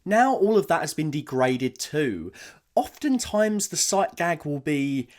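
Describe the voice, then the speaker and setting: A man narrates a scripted video essay with a fairly high voice that moves around a lot. He is casual and enthusiastic, leaning hard on key words. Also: very animated, a little slow.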